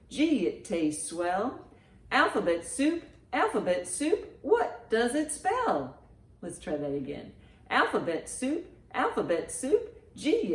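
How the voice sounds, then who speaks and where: A woman hosting a children's storytime in an animated, encouraging, sing-song way, with rhymes and picture-book reading. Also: mid-range voice. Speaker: library storytime host. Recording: roomy, echoey indoor sound.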